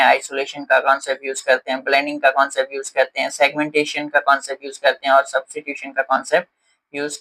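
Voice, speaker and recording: A man's voice: fairly high pitch, sharp tone. Man lecturing in with frequent fillers. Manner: Hindi mixed with English terms, frequent "uh" fillers and "okay" check-ins. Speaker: teacher. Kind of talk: lecture explaining teaching strategies.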